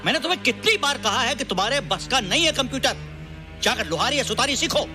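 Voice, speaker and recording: An arrogant, belittling male teacher, high voice, film score behind. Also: lively intonation, fast talker. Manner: contemptuous, belittling. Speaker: computer teacher. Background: film music.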